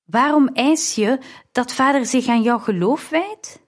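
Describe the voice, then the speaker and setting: A woman's voice: sits high, measured pace, pitched above the performer's own voice. A woman reading the indignant lines of a proud, stubborn young woman in an audiobook.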